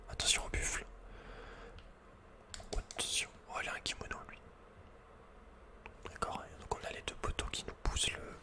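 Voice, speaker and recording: Male, breathy whisper, ASMR game playthrough, informal, playful chatty asides. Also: extremely high pitch, pushed and bright. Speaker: ASMR gaming host.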